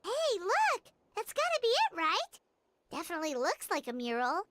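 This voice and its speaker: A woman's voice: very high-pitched, huge pitch swings, normal speed, a bit bright, a little hiss or hum, full character voice. A woman voicing a tiny, cheerful female fairy companion in a video game, talking in a bubbly, chatty way. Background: game music.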